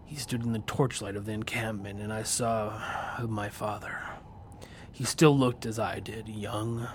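An actor playing a grave warrior, telling his own story in a solemn, hushed first-person narration. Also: fairly low pitch, fairly even intonation, measured pace, a little hiss or hum, lightly acted. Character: grave Viking warrior man recounting his past.

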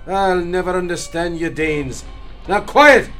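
A man's voice: sits high, measured pace, fairly bright tone, soft background music. An actor playing a proud, menacing old king, commanding and sneering in an audio drama. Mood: scornful. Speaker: villain.

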